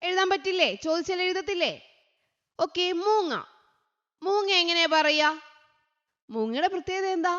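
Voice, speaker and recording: High, bright-voiced woman tutor. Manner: asks questions, then answers them herself; chants rhyme lines slowly. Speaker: online tutor. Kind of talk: teaching young children. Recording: dull sound with a long echo.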